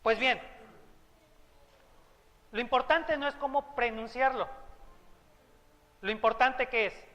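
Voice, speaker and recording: A man's voice: very high-pitched, slow pace, pauses often, bright, forceful tone, long reverb tail. A man with a Mexican Spanish accent, preaching a sermon as a pastor, conversational and joking with asides. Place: church hall.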